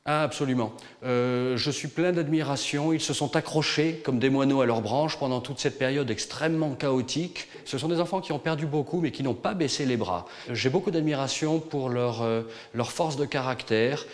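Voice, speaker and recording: A man, director of a boys' choir, answering interview questions in a measured, halting way, often repeating words. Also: medium pitch, big-room sound.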